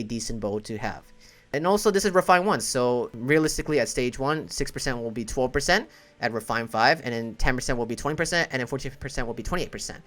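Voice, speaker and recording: Male gaming streamer, mid-pitched, informal and opinionated, talking through his thoughts over background music. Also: a bit bright. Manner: informal, opinionated, thinking aloud. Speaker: gaming content creator and streamer. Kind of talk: casual game update commentary.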